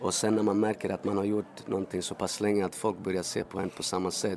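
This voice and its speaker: Flat and monotone, a man speaks at a fairly low pitch. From Sweden, Vårberg in southern Stockholm; born in Chile. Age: 30s. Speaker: rapper and musician. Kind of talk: casual interview chat.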